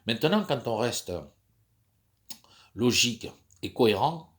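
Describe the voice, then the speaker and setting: A man's voice: mid-range voice, animated, measured pace, fairly bright tone. A man in his fifties with a cold, talking in a rambling, hesitant monologue full of fillers and restarts. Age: 50s. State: stuffy from a cold. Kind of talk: personal monologue.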